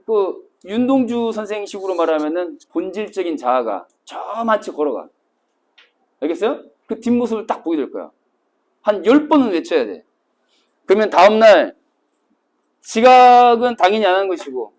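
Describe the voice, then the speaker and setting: A man teaching a cram school Korean class, telling stories vividly and acting out scenes with sudden shouts. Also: high-pitched, sing-song, normal speed. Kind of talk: classroom lecture to exam retakers.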